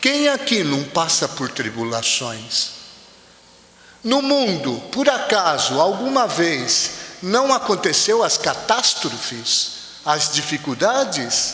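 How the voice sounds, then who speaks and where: A man with a high voice speaks very slowly, his pitch swinging very widely, with audible room echo and noticeable background noise. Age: 60s. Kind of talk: homily. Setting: church. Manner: conversational, with frequent fillers.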